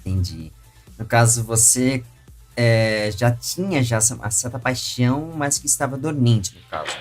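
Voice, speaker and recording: A man's voice: mid-range voice, expressive, moderate pace, faint music behind. A man hosting an interview in a conversational style, asking questions and commenting on the answers. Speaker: interview host.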